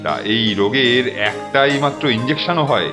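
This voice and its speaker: A man playing a confident, sly fake doctor in a children's cartoon, with brisk theatrical pronouncements. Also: medium pitch, music in the background, natural voice.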